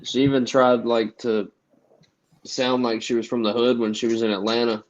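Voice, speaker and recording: Man, from the US South, podcast co-host, mid-pitched voice, loose casual talk, lots of fillers, dull lo-fi recording. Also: level tone, moderate pace. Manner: loose and casual, heavy with "like" and "you know" fillers. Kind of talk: casual political podcast chat.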